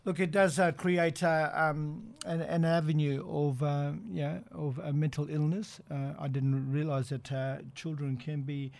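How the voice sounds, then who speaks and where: A man's voice: fairly high pitch, level tone, measured pace, vocal fry, hardly any pauses, a little mellow. A man with an Aboriginal Australian accent presenting live talkback radio in a colloquial, matey way. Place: radio studio.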